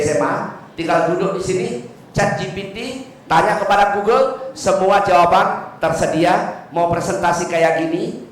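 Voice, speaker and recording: An older man gives a lively Buddhist sermon with a fairly high voice. He jokes and keeps checking that his audience agrees. The sound is echoey and distant, with a faint hiss underneath. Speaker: Buddhist Dhamma speaker. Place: temple hall. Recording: echoey hall, distant mic.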